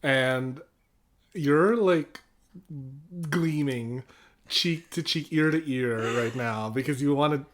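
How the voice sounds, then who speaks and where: A young man hosting a podcast, chatting casually with a friend, animated and laughing often. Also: on the high side, slow. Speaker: podcast host. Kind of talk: casual chat.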